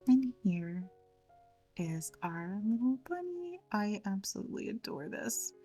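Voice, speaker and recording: A woman with a slightly scratchy voice from a cold, gently narrating a step-by-step craft tutorial in a chatty way. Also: mid-range voice, sing-song, unhurried, distant mic, over music. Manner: gentle, chatty, fond of the word little. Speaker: craft channel host.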